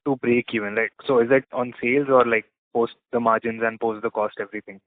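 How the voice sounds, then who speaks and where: A man's voice: medium pitch, fairly even intonation, fast, slight background noise. A man with an Indian accent asking questions as an analyst on a conference call, in a conversational style. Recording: dry, tinny phone line.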